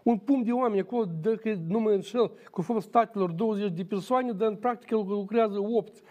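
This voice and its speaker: A man speaking as a guest on a studio political debate, measured and emphatic, repeating his points. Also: high voice, mellow. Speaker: talk show guest, former judge.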